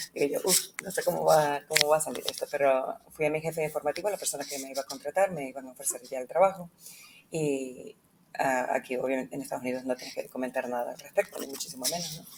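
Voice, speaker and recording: Over noticeable background noise, the speaker goes at a very fast pace with big swings in loudness. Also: woman, very deep, low pitch for a woman, ordinary pitch variation. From Canary Islands, Tenerife. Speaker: journalist. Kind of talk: interview.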